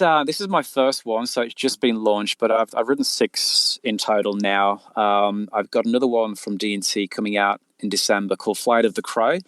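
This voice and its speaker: A middle-aged man's lowish, fairly bright voice comes through with no echo as he chats casually as an interviewed author. He rambles when telling stories, often stammering repeats and using "you know".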